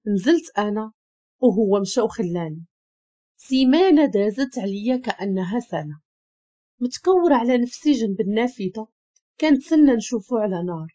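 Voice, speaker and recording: A woman's voice: a little high, warm tone, dull audio. A woman with a Moroccan Arabic accent, narrating a first-person love story and reading the dialogue in her own voice.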